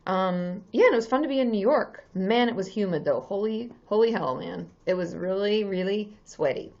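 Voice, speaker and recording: A slightly hoarse woman in her thirties hosts a casual live stream, chatting freely and greeting her viewers one by one. Her pitch sits in a middling range. The stream audio is a bit muffled. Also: expressive, normal speed, a little mellow. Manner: chatty, greets viewers by name, many ums. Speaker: therapist hosting a live stream.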